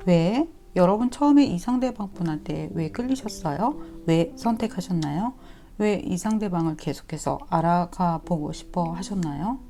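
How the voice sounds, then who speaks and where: Woman tarot reader, mellow lowish voice, a touch sore-throated, gentle coaxing delivery, faint music under. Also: lively intonation, normal speed. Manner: gentle, coaxing, addresses viewers directly. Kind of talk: tarot reading to viewers. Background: soft instrumental music.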